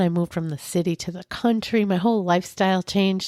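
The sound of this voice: A woman's voice has a dark, mellow tone with a dry, close sound and no echo.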